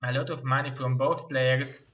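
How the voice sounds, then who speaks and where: A young man with an Eastern European accent delivers live play-by-play game commentary in excitable, halting English, which isn't his first language. His voice is medium-pitched.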